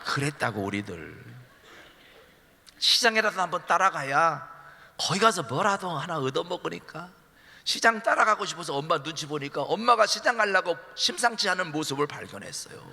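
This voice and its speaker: A middle-aged male pastor preaching in animated storytelling style and teasing his congregation, in a church sanctuary. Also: on the high side, moderate pace, gravelly. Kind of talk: sermon. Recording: long church hall reverb.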